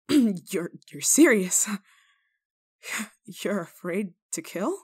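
A woman playing a kindly, rule-breaking nun in an ASMR roleplay, speaking to the listener in a gently teasing, caring manner. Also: mid-range voice, lively intonation, drawn-out words, breathy edge, exaggerated voice. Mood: amused teasing. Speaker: roleplay voice actor.

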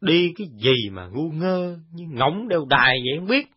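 A woman voicing a short-tempered male soldier who scolds and mutters roughly, in a dull lo-fi audiobook recording. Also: low-pitched, big pitch swings, normal speed, dry recording, pitched below the performer's own voice, heavily acted. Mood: gruff scolding.

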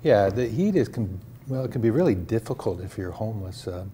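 A man's voice: lowish voice, very animated, brisk, dark tone, slight background noise. An older man, a pastor at a homeless mission, talking earnestly in a live TV news studio interview with a Midwestern American accent, often repeating words as he restarts.

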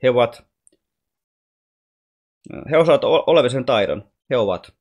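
Gentle and patient, the alien boy from the stars speaks softly and wisely, read by a man in a natural, middling-pitched voice. He teaches calmly, explaining things like a storybook teacher.

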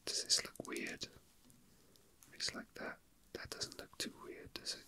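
Someone whispering breathily and unhurriedly, murmuring casually to themselves in an ASMR style, close to the microphone. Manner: soft, unhurried, murmuring to self. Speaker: toy unboxing video host.

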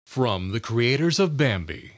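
A young man voicing a grand, dramatic movie trailer announcer with drawn-out, theatrical promo delivery. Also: mid-range voice, very animated. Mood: dramatic, hyped. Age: young adult. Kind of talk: announcer impression, trailer voice-over.

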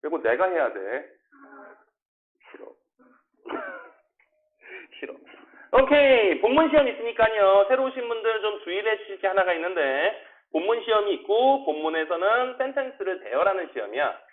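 A male English academy teacher with a high, animated voice drills words and throws in quick comprehension checks. The recording, made in a small classroom, sounds tinny, like a phone.

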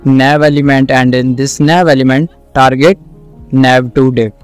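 Slow, clear South Asian man teaching. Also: medium pitch, steady tone, soft background music. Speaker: coding tutorial instructor. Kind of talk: screen-recorded tutorial, explaining step by step.

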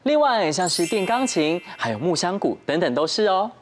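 A man's voice: high voice, sing-song, moderate pace, slight background noise. A young man with a Taiwanese Mandarin accent presenting a children's show, talking playfully and simply as if to toddlers. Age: young adult. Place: TV studio. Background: music.

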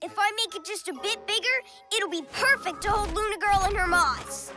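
A performer voicing an eager, impulsive little boy superhero in a children's cartoon, earnest and excitable. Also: extremely high pitch, moderate pace. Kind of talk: animated children's cartoon acting. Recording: loud music under the voice.

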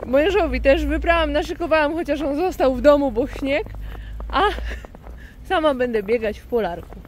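A woman in her thirties from Poland strolls snowy city streets under an umbrella, chatting playfully and with self-irony into a phone at arm's length for a casual vlog. Her voice sits high and moves at a normal speed, over faint street noise and passing cars.

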